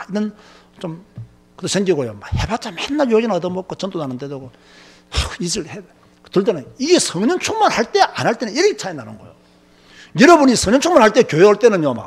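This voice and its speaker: Animated male preacher, high voice. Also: slightly rough. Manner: emphatic, animated storytelling with many filler words. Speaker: pastor. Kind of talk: sermon.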